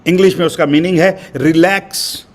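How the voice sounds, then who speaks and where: A man's voice: a little high, fairly even intonation, moderate pace. A male pastor from India delivering a sermon with emphatic repeated refrains, calling his listeners beloved. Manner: addresses listeners as beloved brothers and sisters.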